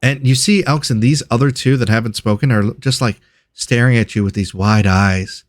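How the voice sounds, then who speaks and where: A man's voice: mid-range voice, moderate pace, no echo. A man acting as game master, narrating a live tabletop role-playing game in a conversational way. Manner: conversational, voices non-player characters.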